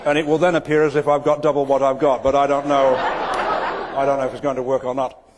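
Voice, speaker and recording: In front of a live audience at an event venue, a Manchester-accented Englishman gives a comic keynote with dry, self-deprecating delivery. His mid-range voice is flat and fairly quick, set against a loud crowd and heavy background noise.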